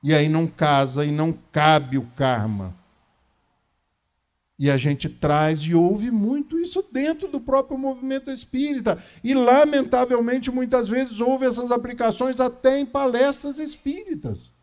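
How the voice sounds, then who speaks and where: A man's voice: extremely high pitch, a little slow, darkish tone. A man in his fifties with a Brazilian accent gives a religious lecture, didactic and conversational, repeating key phrases for emphasis. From Minas Gerais, Brazil. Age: 50s. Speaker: lecturer at a Spiritist centre. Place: small meeting room, indoors.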